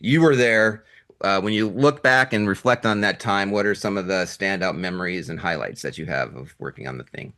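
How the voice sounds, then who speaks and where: A man's voice: low-pitched, normal speed, pushed and bright. A man hosting an interview, putting long, enthusiastic film questions to his guest. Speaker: interviewer, host.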